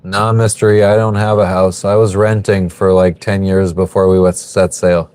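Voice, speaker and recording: A man in his thirties talks loosely to his livestream viewers from a sailboat at anchor, reading their comments and swearing as he goes. His voice sits a little low, and the sound is dry and close with no room around it. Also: flat delivery, moderate pace, darkish tone, clean tone, no room sound. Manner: swears freely, chatty and offhand. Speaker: livestream host. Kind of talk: casual live chat reading viewer comments.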